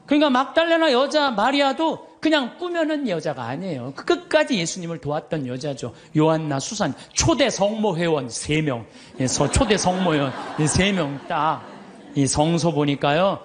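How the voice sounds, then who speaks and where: A middle-aged Catholic priest with a high-sitting voice tells stories during a lively sermon. He is animated, acting out the voices of the people he quotes and laughing often as he goes.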